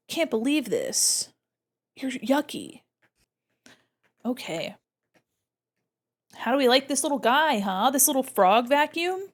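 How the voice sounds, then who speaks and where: A young woman streaming her drawing live, chatting playfully with viewers and giggling often. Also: high voice. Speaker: VTuber art streamer. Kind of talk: casual live-stream chat while drawing.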